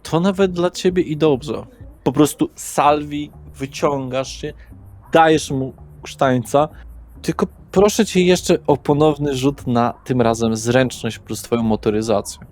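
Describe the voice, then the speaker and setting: A man's voice: fairly high pitch, a little slow, darkish tone, soft background music. A man running a tabletop roleplaying game, casually narrating action and calling for dice rolls. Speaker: game master.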